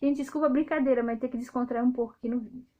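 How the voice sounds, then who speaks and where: Brazilian woman in her 30s, high voice, blunt and loud, just ranting to her viewers. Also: fairly even intonation, very fast, highs cut off. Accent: Brazilian Portuguese. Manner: outspoken, often loud and indignant. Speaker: video host. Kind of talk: casual monologue to viewers.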